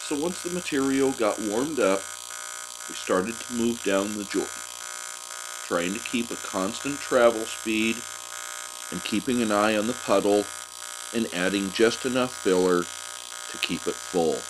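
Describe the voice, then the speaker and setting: A man giving a calm, methodical voice-over as a welding instructor, walking through settings and technique step by step. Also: lowish voice, measured pace, background noise.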